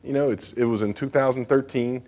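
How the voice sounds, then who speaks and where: Man, conference talk, casual, filler-heavy, mid-pitched voice. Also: fairly even intonation, fairly quick, a little mellow. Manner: casual, conversational, many fillers and asides. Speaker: state bridge engineer presenting. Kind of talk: conference presentation.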